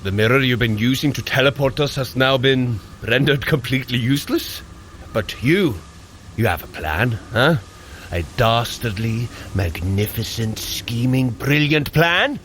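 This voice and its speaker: A man's voice: medium pitch, lively intonation, measured pace, fairly bright tone, a little hiss or hum. A man playing a bold Norse thunder god and warrior leader in an audio adventure, hearty and commanding, with grand archaic speech. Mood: grave, rallying. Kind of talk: dramatic audio adventure acting.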